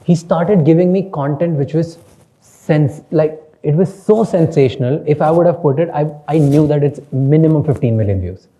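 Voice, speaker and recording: A man's voice: on the high side, moderate pace, mellow, low-quality recording. A man with an Indian accent whose first language is Hindi, a podcast host speaking candidly on a panel, slipping between English and Hindi and laughing often. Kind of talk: panel talk.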